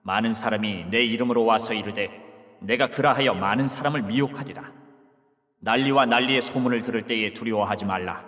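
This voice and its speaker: A man playing Jesus as a calm teacher, giving measured, solemn lines in a dramatized Bible reading. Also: on the low side, close to an everyday voice. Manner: measured, solemn archaic delivery. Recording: long hall reverb.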